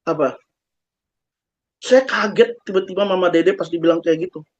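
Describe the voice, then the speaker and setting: A man giving a testimony-style talk over a video call, animated and speaking straight to his listeners. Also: sits high, moderate pace, lo-fi sound. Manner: animated, acts out quoted voices, addresses listeners directly. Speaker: speaker at a fellowship meeting.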